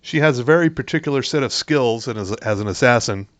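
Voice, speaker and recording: Man, podcast co-host, casual chat, filler-heavy listing, medium pitch, muffled lo-fi mic. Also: expressive, fast, a crowd in the background. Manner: rattles off upcoming releases with many fillers; casual swearing. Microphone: podcast microphone that keeps cutting out.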